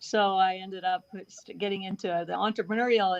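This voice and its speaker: Here a woman talks at a fairly quick pace and medium pitch. Hers is an unremarkable speaking voice. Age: 60s. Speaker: lawyer, entrepreneur and speaker. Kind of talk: casual interview.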